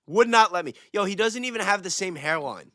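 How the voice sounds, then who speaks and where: A man's voice: high-pitched, animated, a little fast, fairly bright tone, no room sound, studio quality. A man on a livestream panel, chatting casually in a slangy, emphatic way with repeated points. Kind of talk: casual chat.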